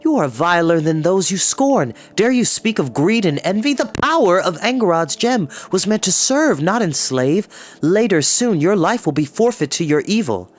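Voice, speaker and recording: A man voicing an earnest, defiant young hero in a storybook, with an urgent, righteous, forceful delivery. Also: high-pitched, sing-song, normal speed, pitched above the performer's own voice. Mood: indignant. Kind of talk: storybook character voice.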